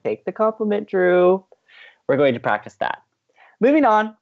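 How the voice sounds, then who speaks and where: A very animated, upbeat radio co-host. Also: female voice, medium pitch, moderate pace, vocal fry, highs cut off. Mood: teasing, insistent. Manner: playful, emphatic, animated. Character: upbeat, teasing, hopelessly romantic college radio advice co-host. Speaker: actor in a romantic comedy podcast. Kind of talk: audio drama acting as casual radio banter.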